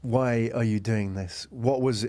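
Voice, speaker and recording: A man's voice: medium pitch, steady tone, measured pace, dark tone. A man hosting a podcast, asking questions in a conversational business interview style. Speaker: podcast host interviewing guests.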